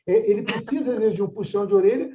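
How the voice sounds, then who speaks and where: Older male class mediator, casual and animated, muffled roomy audio. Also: sits high, rapid-fire, a little hiss or hum. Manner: conversational, frequent tag questions. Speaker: course mediator. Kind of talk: religious study class.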